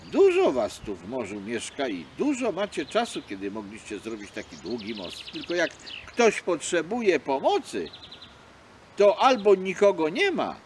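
A man's voice: on the high side, wildly swooping pitch, a little slow, slight background noise. A man voicing a small, clever male fox who chuckles cheekily and talks boldly. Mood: reproachful.

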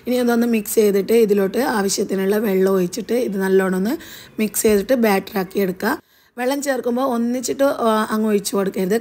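A woman's voice: medium pitch, a little mellow. A woman with a Malayali accent, hosting a home cooking channel and narrating a recipe step by step in a chatty way with small fillers.

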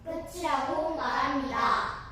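A woman's voice: high voice, slow, pushed and bright. Far from the mic, strong room echo, woman, student reciting practice sentences, careful enunciation. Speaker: speech student. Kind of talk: repeating practice sentences after a coach. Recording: very echoey, distant, faint noise.

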